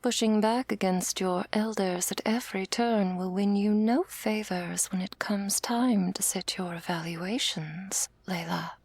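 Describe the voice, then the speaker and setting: Woman acting slow, stern elder angel, ASMR role-play. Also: mid-range voice, a little mellow, no echo. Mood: reproving. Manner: measured, patronising. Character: stern, condescending female elder angel, commanding mother superior.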